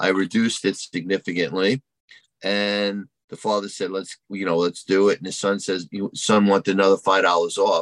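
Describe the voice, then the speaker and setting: The recording has a dry, close sound with no echo as a man speaks at a moderate pace in a fairly low voice with monotone, flat intonation. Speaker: hobby veteran. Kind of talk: casual chat.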